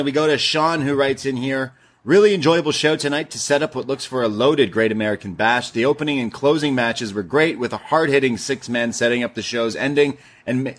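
A man's voice: mid-range voice, fairly bright tone. Laid-back man co-hosting a podcast. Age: 30s. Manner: laid-back, reads messages aloud, laughs easily. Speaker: podcast co-host. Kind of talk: casual podcast chat, reading listener mail.

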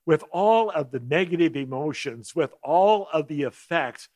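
A man preaching a sermon as a guest speaker, slowing down to lean on key words and clearing his throat now and then. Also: a little high, lively intonation, darkish tone, dry recording. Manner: measured preaching with slowed emphasis on key words.

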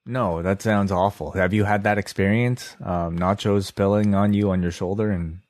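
A man's voice: lowish voice, steady tone, normal speed, darkish tone, no room sound, studio quality. A man co-hosting a podcast, chatting casually and asking teasing questions. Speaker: podcast co-host. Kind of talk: casual chat.

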